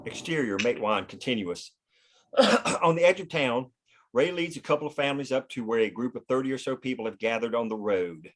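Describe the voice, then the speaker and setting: A man's voice: mid-range voice, lively intonation, brisk, a bit bright. A man reading scripted screenplay stage directions as the narrator of a table read.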